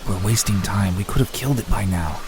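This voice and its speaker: A man's voice: on the low side, a little fast, natural voice. A man playing a hot-headed young wolf, an impatient, grumbling younger brother in an audio drama. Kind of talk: dramatic audio fiction acting. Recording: clear outdoor background noise.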